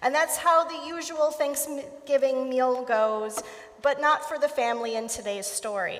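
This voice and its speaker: At a fairly slow pace, a woman talks in a high pitch. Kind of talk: reading aloud. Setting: church.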